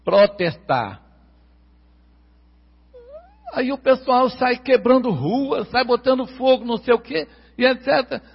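A man's voice: very high-pitched, animated, creaky, breathy edge. Brazilian male preacher, emphatic sermon delivery, muffled lo-fi recording with a long hall reverb. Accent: Brazilian Portuguese. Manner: emphatic, repeats key words, stretches them slowly.

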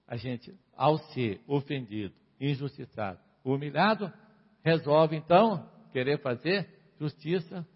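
A man preaching a sermon to a congregation, reading scripture and explaining it with sharp rises and drops and frequent calls for amen. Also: mid-range voice. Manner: emphatic, rises and falls sharply, asks the congregation for amens. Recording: dull lo-fi sound with long hall reverb.

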